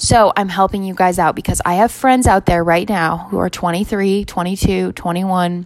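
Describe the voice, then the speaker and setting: A woman with a normal speaking voice, medium in pitch, fairly even in intonation, at a moderate pace with hardly any pauses. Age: 20s. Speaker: podcast host. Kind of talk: casual solo monologue. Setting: basement room.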